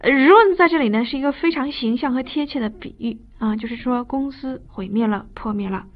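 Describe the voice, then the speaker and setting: High-voiced woman teaching English. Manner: switches between fast chatty explanation and slow drilled English phrases. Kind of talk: recorded classroom lecture. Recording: dull lo-fi video lecture audio.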